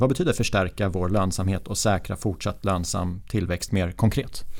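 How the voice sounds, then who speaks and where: The speaker has an unremarkable speaking voice. The pace is moderate, with ordinary pitch variation. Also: man. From Sweden, Stockholm area. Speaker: podcast host. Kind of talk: podcast interview.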